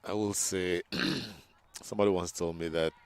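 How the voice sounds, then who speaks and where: A man giving live cricket commentary, animated and joking, his voice jumping up on the big moments. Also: low-pitched, a little slow, clear, resonant tone.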